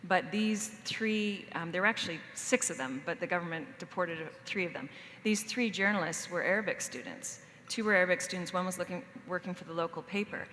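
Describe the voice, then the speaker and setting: A woman's voice: fairly low pitch, brisk, fairly bright tone. Woman correspondent telling a story in a hall. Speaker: panelist, foreign correspondent. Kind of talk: panel discussion. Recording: reverberant hall, faint noise.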